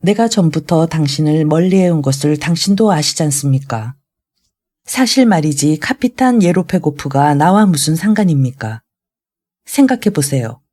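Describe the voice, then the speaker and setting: A sardonic young man argues and needles with a cold, mocking edge in a storybook reading. The voice is mellow in tone at a middle pitch, as a reader acts him out. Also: expressive, normal speed, natural voice. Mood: sarcastic. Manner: sarcastic, argumentative.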